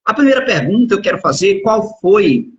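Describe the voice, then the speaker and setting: A man, middle-aged, hosting an informal live interview in a halting way, repeating words as he goes. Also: sits high, big pitch swings, breathy edge. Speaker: podcast and radio host. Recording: dull lo-fi internet call audio.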